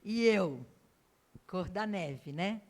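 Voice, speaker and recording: A woman's voice: fairly low pitch, expressive, very slow, a little mellow. A middle-aged woman missionary preaching in a church, telling a personal story and acting out the dialogue for the congregation. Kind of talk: sermon storytelling.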